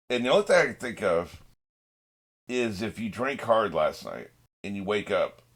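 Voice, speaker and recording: Male reaction host, low register, informal and unscripted, thinks out loud, salty language. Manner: informal, swearing, musing. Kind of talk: casual off-the-cuff reaction commentary.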